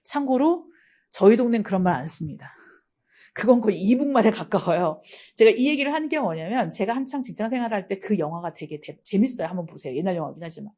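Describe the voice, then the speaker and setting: A woman's voice: mid-range voice, fast talker. Chatty middle-aged woman lecturer. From Gangwon Province, South Korea. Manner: chatty, anecdotal, lively lecturing. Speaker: nursing exam lecturer. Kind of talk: online exam-prep lecture. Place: lecture studio.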